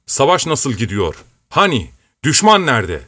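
A man's voice: medium pitch, wildly swooping pitch, unhurried, sharp tone, no echo, pitched above the performer's own voice, exaggerated voice. Elderly, bossy officer's wife, put on by a male narrator; blunt, devout, dry close recording. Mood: impatient. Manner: pressing, blunt questions. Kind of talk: audiobook character voice.

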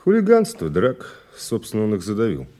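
A man's voice: on the low side, wildly swooping pitch, brisk, mellow. A man playing an urbane, playful new prosecutor in an audio drama, speaking in an ironic, conversational way. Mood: matter-of-fact. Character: urbane, playful male investigator, newly promoted to prosecutor. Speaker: actor in an audio play. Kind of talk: naturalistic audio drama dialogue.

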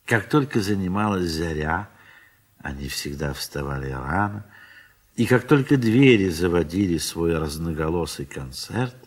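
A man with a fairly low voice reads classic prose as the narrator of an audio play. His delivery is expressive and theatrical, measured in its phrasing, with words that are allowed to linger. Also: slightly rough.

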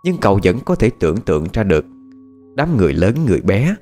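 A man narrating a dramatic story in an expressive, measured voice. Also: fairly low pitch. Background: faint background music.

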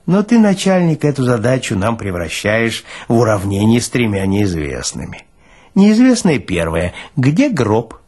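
A man's voice: medium pitch, wildly swooping pitch, normal speed, a little mellow, slightly rough. A man voicing a stolid, self-important older morgue orderly in an audiobook, with a pedantic, colloquial way of talking.

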